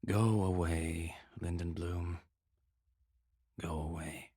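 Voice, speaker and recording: Eerie, mournful mad mage: low, very slow, riddling and repetitive, for fantasy audio fiction. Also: male voice, fairly even intonation, mellow, breathy edge, no echo, clean studio sound, exaggerated voice. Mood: bitter. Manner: broken, repetitive, riddling phrases. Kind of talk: dramatised audio fiction acting.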